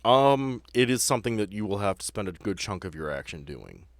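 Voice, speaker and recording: A man with a very low voice runs a tabletop game. He improvises descriptions in a deliberate, dramatic storytelling manner and slips into rules talk. The sound is dry, with no room on it. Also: big pitch swings, no echo. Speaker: game master of a tabletop RPG podcast.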